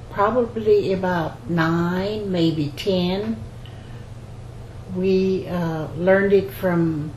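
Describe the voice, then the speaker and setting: Slow-speaking older woman. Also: fairly low pitch, a little mellow. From rural Louisiana, United States. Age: 70s or older. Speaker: basket maker interviewee. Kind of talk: oral history interview, personal recollection. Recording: roomy echo, faint background noise.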